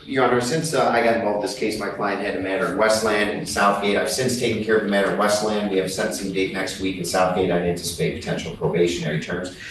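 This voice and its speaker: Fast-talking male lawyer, echoey distant courtroom recording. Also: on the low side, steady tone, a little hiss or hum. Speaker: defense lawyer. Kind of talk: formal courtroom address to a judge.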